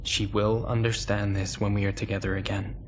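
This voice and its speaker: A man's voice: fairly low pitch, level tone, fairly quick, slight background noise, natural voice. An actor playing an earnest, brooding young male mech pilot in a video game cutscene, determined and serious. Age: young adult. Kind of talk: dramatic game cutscene acting.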